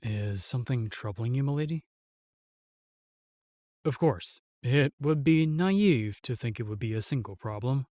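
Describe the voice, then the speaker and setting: A gallant, protective knight played by a man for a fantasy audio roleplay. He speaks formally and courteously in a middle-pitched voice. The sound is dry and close, the manner earnest and reserved. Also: expressive, a little slow, warm tone, no echo, lightly acted. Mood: gentle, courteous.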